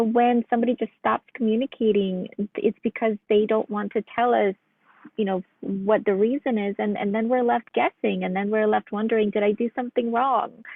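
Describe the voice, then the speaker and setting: Woman with a gravelly voice on a tinny line. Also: mid-range voice, no room sound. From Ukraine. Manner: earnest, reflective, many fillers. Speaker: psychologist guest. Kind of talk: casual interview answers.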